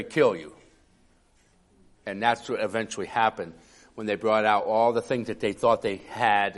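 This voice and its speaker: A man preaching a sermon in a conversational way, with a raspy, hoarse voice from a cough and chuckling asides. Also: mid-range voice, fairly bright tone.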